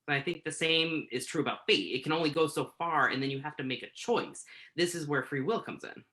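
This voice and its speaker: A man's voice: fairly high pitch, brisk, bright, forceful tone. A man acting the part of a nervous, earnest entertainment journalist in a conversational play reading, tentative and thoughtful as he interviews. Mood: tentative, musing. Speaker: actor in a virtual staged reading.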